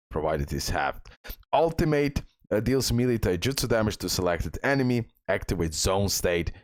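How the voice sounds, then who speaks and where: Deep-voiced man giving game guide commentary. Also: no echo, clean studio sound. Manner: informal, addresses viewers as guys, repeats points for emphasis. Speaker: gaming content creator and host. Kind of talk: game guide commentary, reading skill descriptions and giving tips.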